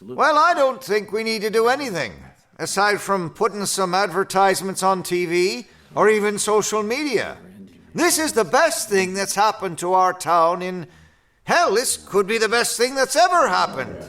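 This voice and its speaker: An actor playing a brash, dismissive small-town tourism booster in an audio drama, speaking emphatically. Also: male voice, high-pitched, expressive, normal speed, sharp tone. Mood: excited, insistent.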